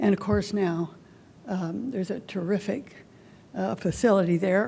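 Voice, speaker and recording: Her dark, mellow tone carries vocal fry as the woman speaks at a fairly slow pace. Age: 90s. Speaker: public commenter, longtime community volunteer. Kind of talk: public comment at council meeting. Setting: city council chamber. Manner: halting, with fillers.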